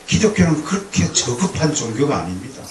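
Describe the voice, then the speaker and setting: A male pastor preaching a lively lecture-sermon to a congregation, with humor and call-and-response. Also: mid-range voice, brisk. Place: church sanctuary. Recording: echoey hall, distant mic, faint noise.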